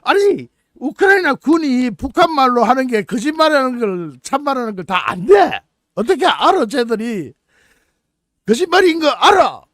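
Guy ranting solo on his channel, high voice, sarcastic, keeps asking how anyone could know. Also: sing-song, moderate pace, fairly bright tone, no room sound, studio quality. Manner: sarcastic, incredulous rhetorical questions. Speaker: channel host. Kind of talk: solo commentary reading out and mocking phrases.

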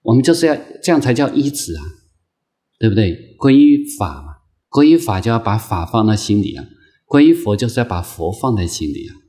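Gentle low-voiced monk giving a slow dharma talk. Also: male voice, very animated. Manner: gentle, repetitive phrasing with many drawn-out "ah" fillers; slow, patient, coaxing delivery. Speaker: Buddhist monk lecturing on a sutra. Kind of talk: unscripted dharma lecture.

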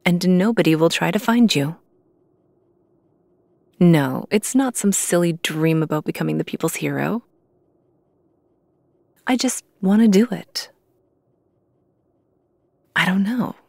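Woman doing a lovestruck vampire hunter girl for asmr roleplay, slow soft hesitant talking, earnest n insecure, close dry mic. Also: fairly low pitch, expressive, gravelly, no room sound, full character voice. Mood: nervous, earnest. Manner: hesitant, pleading, soft confessional delivery with pauses. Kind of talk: intimate ASMR roleplay acting. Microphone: close microphone, dry recording.

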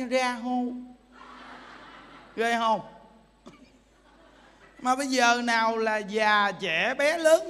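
Monk giving a sermon, really high voice, keeps firing questions at the crowd, long hall echo. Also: male voice, fairly bright tone. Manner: emphatic, rhetorical questions to listeners. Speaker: Buddhist monk.

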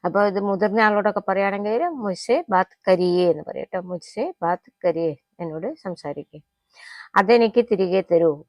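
A woman gives a spoken language lesson. She says each phrase slowly, repeats it, and then explains it quickly. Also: lowish voice, a little mellow, dry recording. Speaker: Hindi teacher.

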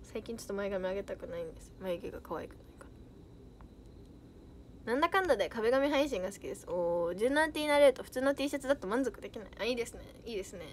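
A woman's voice: fairly high pitch, expressive, rapid-fire, a little hiss or hum. A young woman idol chatting casually on a livestream, reading out viewer comments with bubbly giggles.

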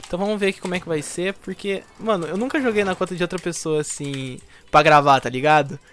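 A young Brazilian man giving casual, slangy commentary over his own gameplay, excitable at first and quieter once he is playing. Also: sits high, fast, slight background noise. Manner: slangy, excitable intro then quieter focused play talk. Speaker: gaming YouTuber.

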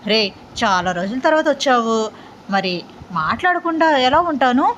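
Picture a chatty young man who grumbles in a playful, whiny way, voiced by a woman narrator. The pitch sits a bit high, with a slightly dull recording and faint hiss. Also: very animated, normal speed, a bit bright.

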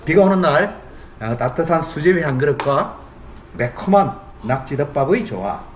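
A man's voice: a little high, expressive, normal speed, slight background noise. A middle-aged man from South Korea hosting a casual eating show, talking expressively as he savors his food, at times with his mouth full. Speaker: mukbang host.

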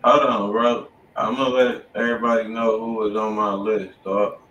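A man's voice: on the low side, flat delivery, moderate pace, a bit bright, dull audio. An American man hosting a music review livestream, chatting casually in slangy, profane talk. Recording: echoey room, distant mic, faint noise.

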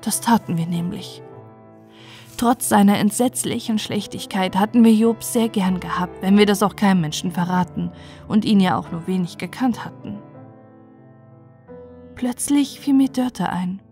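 Woman reading a calm bedtime story. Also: medium pitch, unhurried, faint music behind. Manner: calm, gentle narration.

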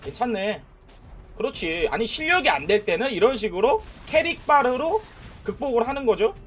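A young man giving casual, excitable commentary over his own mobile game, trash-talking and narrating his plays. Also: extremely high pitch, normal speed, soft background music. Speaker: gaming YouTuber.

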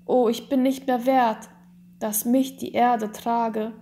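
A woman's voice: fairly high pitch, little pitch movement, slow pace, dark tone. A woman voicing an anguished, remorseful count in a storybook, in an impassioned, pleading, exclamatory manner. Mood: remorseful, overwhelmed. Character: anguished, guilt-stricken count, adult man, horrified and remorseful. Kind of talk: dramatic storybook reading.

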